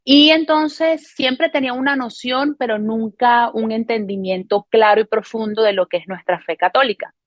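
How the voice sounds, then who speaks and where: A woman in her thirties from Venezuela gives a personal faith testimony to camera, in an earnest, unhurried way with frequent hesitations and self-corrections. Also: fairly high pitch, no echo, lo-fi sound. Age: 30s. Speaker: testimony speaker. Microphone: camera recording.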